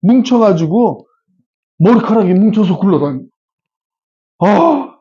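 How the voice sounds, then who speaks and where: Speaking slowly and expressively, a middle-aged math teacher lectures his class in a high voice with a dark tone, though the audio is dull. He chats freely, wanders into casual digressions, and keeps checking in with his students.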